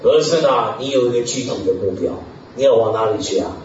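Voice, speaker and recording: A man preaching a sermon in an animated way, peppering his talk with hallelujah and amen, chuckling often and sometimes bursting into shouts. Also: medium pitch, fairly quick, slight background noise. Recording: echoey hall, distant mic, dull lo-fi.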